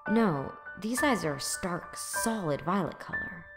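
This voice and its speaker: A woman's voice: fairly low pitch, animated, measured pace, over loud music. A young woman playing a sardonic, weary twenty-something who narrates an audio drama in a dry, conversational way. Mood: wry, musing. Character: wry, weary, sarcastic 24-year-old woman narrator. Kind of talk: first-person audio drama narration and dialogue.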